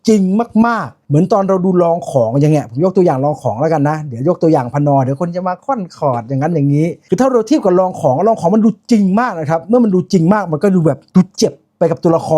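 Chatty man with a mellow voice. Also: high voice. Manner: chatty, informal, full of asides and self-corrections. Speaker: film reviewer. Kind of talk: casual spoken film review.

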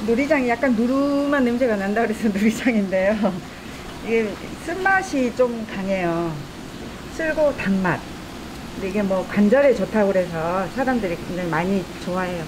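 A woman's voice: mid-range voice, animated, normal speed. A middle-aged woman cook explaining her dishes in a casual, friendly way while she works with her hands in a restaurant kitchen. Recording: noisy kitchen recording.

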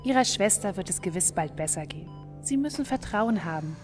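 A woman's voice: on the low side, lively intonation, fairly quick, lightly acted. An actress playing a soothing yet ominous female caregiver in an audio drama. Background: music.

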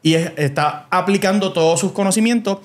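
A Puerto Rican man hosting a casual podcast, his voice sitting a little higher than most men's. He tells stories in an animated way, full of restarts, with English words mixed in. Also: brisk. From Puerto Rico. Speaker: podcast host. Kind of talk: casual chat.

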